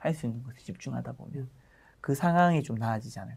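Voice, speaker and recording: Somewhat breathy male speech at a fairly quick pace, medium in pitch with ordinary pitch variation. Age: 40s. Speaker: author and finance YouTuber. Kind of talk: interview.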